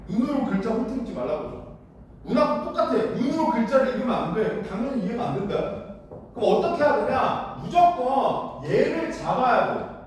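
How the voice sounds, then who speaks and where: A man teaching high school literature in a lecture room, blunt and casual, constantly asking students whether they follow. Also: big pitch swings, brisk. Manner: keeps checking understanding with rhetorical questions; blunt, casual, with mild slang. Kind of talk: classroom lecture. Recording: very echoey room, far from the mic, faint noise.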